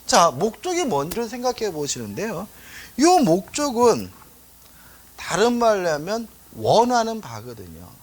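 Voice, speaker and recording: A man's voice: high-pitched, huge pitch swings, measured pace. A middle-aged man from Seoul giving an exam-prep law lecture, chatty and asking rhetorical questions as he tells anecdotes. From Seoul, South Korea.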